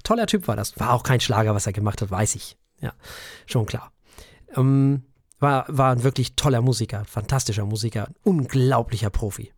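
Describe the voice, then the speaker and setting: A man's voice: mid-range voice, moderate pace, dry recording. A man with a mid-range voice chatting as a co-host, wry and joking, often trailing off and restarting. His voice is recorded dry and close to the mic. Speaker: podcast co-host. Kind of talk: casual chat.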